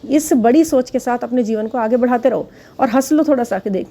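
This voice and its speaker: A woman who gives spiritual readings talks straight to her viewers in a loose, chatty way. Her voice sits a little high and sounds soft and mellow. She breaks into laughter at her own examples. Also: brisk. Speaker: spiritual relationship reader. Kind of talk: casual advice talk to viewers.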